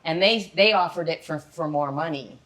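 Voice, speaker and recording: A woman guest in a casual chat who laughs often and chimes in with quick agreement. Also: low-pitched, fairly bright tone.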